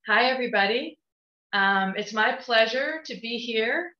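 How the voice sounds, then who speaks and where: A middle-aged American woman, a visiting law professor, introduces a course in a measured way, with frequent ums and "right?" checks, from an office on a shared webcam mic. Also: a little high, lively intonation, sharp tone. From New York State, USA. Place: office, seated at a desk beside a colleague. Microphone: shared webcam mic on a video call. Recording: roomy, dull video-call audio.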